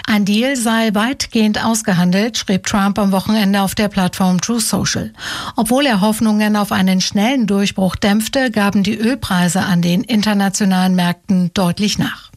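A woman reading the radio news in a measured, neutral tone. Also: mid-range voice, steady tone. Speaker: newsreader.

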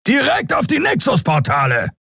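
A man voicing a fierce, beast-like male ship captain who barks commands and shouts orders. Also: high voice, wildly swooping pitch, normal speed, gravelly, slightly rough, faint music behind, pitched above the performer's own voice, exaggerated voice. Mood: shouting orders.

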